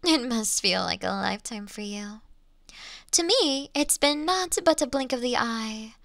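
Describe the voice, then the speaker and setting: A woman playing an ancient, elegant monster in a Victorian fantasy audio drama, teasing her hunter in archaic, formal phrases with lingering pauses. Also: fairly high pitch, animated, creaky, fairly bright tone, no room sound, studio quality, heavily acted. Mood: wistful, amused. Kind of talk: slow theatrical roleplay monologue in Victorian fantasy audio drama.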